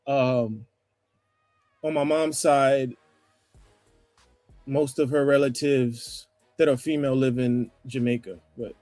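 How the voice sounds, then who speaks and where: A man with a New York accent talking casually on a livestream panel, rambling, with restarts and throat clearing. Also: medium pitch, steady tone, takes it slowly, long pauses, darkish tone, dry recording, soft background music. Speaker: panel guest.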